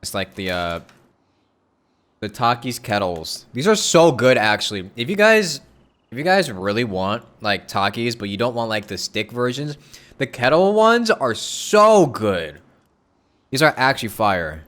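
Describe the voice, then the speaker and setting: Casual male game streamer, very lively pitch. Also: unhurried. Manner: slangy, informal. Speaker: game livestreamer. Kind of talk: casual reaction commentary over a game. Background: game music behind the voice.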